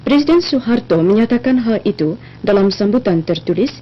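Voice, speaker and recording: Woman reading old broadcast news. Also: medium pitch. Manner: measured, even, official delivery. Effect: old archival TV news broadcast sound. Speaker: newsreader. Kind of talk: formal scripted news reading. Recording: dull lo-fi old broadcast tape.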